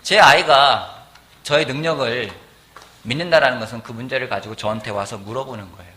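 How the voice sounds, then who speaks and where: A middle-aged man preaching a sermon as pastor in a church, animated and often asking the congregation questions. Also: medium pitch, brisk. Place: church sanctuary.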